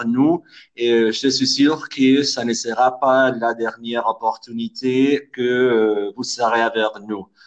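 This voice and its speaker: Very slow pace and monotone, flat intonation, with a non-native accent. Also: man. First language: not French (speaking French). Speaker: hospitality training company director. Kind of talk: interview. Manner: halting.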